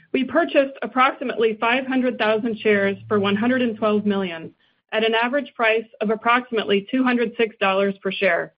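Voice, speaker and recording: A woman finance executive reading a scripted earnings presentation in a formal, measured way. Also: on the high side. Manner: formal, measured business delivery. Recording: dull, band-limited conference call audio.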